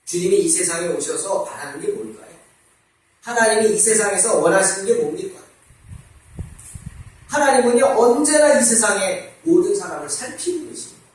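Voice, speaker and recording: A high-pitched male pastor delivers a sermon, asking the congregation question after question and acting out biblical dialogue in different voices. He sounds far from the microphone, and the church around him is very echoey. The long reverb trails after each phrase. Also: animated, moderate pace. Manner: acts out dialogue between God, Satan and Job. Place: church sanctuary.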